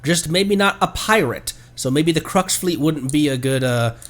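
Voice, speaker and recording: Animated man streaming a video game. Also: fairly high pitch. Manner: halting, thinking aloud. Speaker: livestreamer. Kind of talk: casual game stream commentary.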